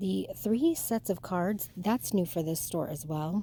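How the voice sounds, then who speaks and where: The woman speaks quietly and at a fairly slow pace. Her fairly low voice has a dark, mellow tone and ordinary pitch variation. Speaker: shopping vlogger. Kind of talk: shop-with-me vlog. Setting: inside a store. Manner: quiet, hushed.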